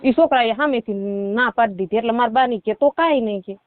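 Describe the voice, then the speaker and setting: Calling for help with a dispute in her marriage, a woman speaks fast in a fairly high voice with a rural Saurashtra Gujarati accent. The phone audio is muffled with no room sound, and her account rambles colloquially through reported conversations.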